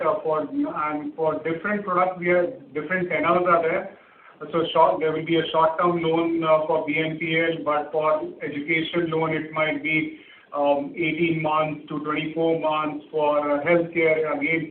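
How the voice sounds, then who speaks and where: A man answers analyst questions on an earnings call, stopping often on fillers. His voice sits a bit high. The sound is thin and phone-like, with roomy echo and faint hiss. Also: level tone. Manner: halting, many fillers. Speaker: company executive answering analysts. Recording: echoey, distant, phone-line audio with faint hiss.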